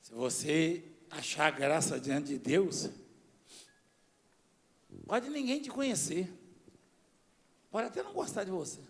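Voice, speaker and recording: A middle-aged man preaching a sermon, his voice high and gravelly. He tells stories, mimics people, and swings widely in pitch between soft, hushed asides and shouted emphasis. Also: animated, slow pace, pauses often. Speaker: bishop.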